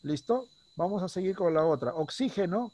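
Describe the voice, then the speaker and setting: A man teaching a primary school class online. He is patient, checks in constantly with short questions, and slows down to stress words when he explains. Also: high voice, expressive, dark tone. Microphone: computer mic on a video call.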